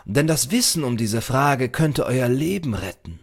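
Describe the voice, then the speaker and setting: A man's voice: mid-range voice, expressive, a little slow, husky, pitched above the performer's own voice. A man voicing a preachy, self-certain old librarian in a storybook, with a pompous, archaic, lecturing manner. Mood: solemn, urgent.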